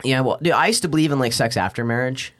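A man's voice: mid-range voice, fast talker, a bit bright. A young man chatting casually on a podcast like a frat bro, slangy and full of swearing. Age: young adult. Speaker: podcast host.

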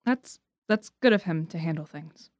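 A woman's voice: deep voice, expressive, normal speed, darkish tone, dry recording, studio quality. A young woman playing a sympathetic but teasing friend in an audio drama.

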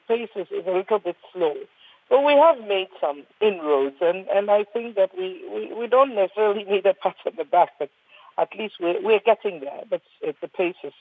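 A woman's voice: medium pitch, no echo. Earnest older Ghanaian woman, phone-thin. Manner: earnest, emphatic, repeats words when restarting. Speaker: doctor. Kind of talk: panel discussion. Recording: thin phone-like line, husky and dry.

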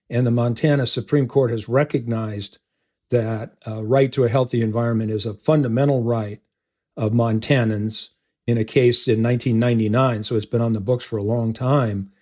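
Older male legal expert, mid-pitched voice, deliberate, methodical answers. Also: fairly even intonation, warm tone. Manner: deliberate, listing points, some restarts. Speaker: law professor guest. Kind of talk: interview answers.

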